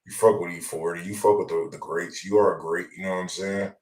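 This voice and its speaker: A man's voice: sits low, steady tone, fast talker, a little mellow. An American man hosting a talk show with casual, hyped banter in slangy, repetitive street talk. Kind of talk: casual hype banter about celebrity clips. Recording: roomy echo.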